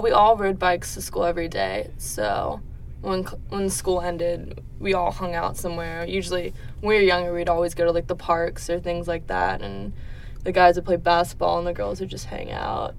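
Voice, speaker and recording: Young American woman with a creaky voice. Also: on the low side. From Netherlands, born in the US. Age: young adult. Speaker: interviewee. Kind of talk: casual interview answers about growing up abroad. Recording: faint background noise, room ambience.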